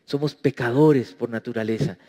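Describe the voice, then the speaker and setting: A man's voice: mid-range voice, moderate pace, dark tone. A man preaching a sermon as pastor, emphatic and acting out quoted prayers. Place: church. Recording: reverberant church hall.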